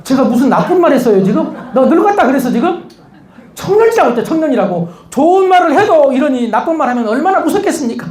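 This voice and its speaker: A man giving a lively motivational lecture, teasing his audience with questions and jokes. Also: very high-pitched, quick pace. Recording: echoey lecture hall.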